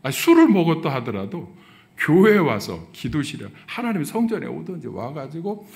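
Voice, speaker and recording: A middle-aged man, a pastor, preaching a sermon and telling a story, his voice swinging from soft to loud. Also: fairly high pitch, wildly swooping pitch, normal speed, vocal fry.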